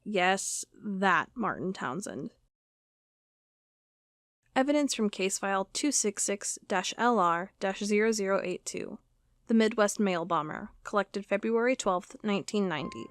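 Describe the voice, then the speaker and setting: An actress playing an uneasy, dogged FBI agent dictating case notes in an audio drama, halting and conversational. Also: female voice, mid-range voice, lively intonation, dry recording, clean studio sound, close to an everyday voice. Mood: matter-of-fact. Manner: halting, conversational, self-correcting. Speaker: FBI records agent character. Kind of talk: audio drama monologue, spoken like a recorded log.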